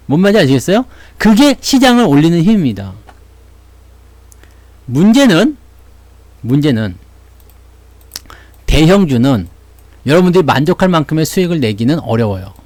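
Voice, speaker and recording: A man giving casual, blunt stock market commentary to his viewers, slangy and quick to act out little imagined lines. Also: a little high, big pitch swings, a little mellow, dry recording.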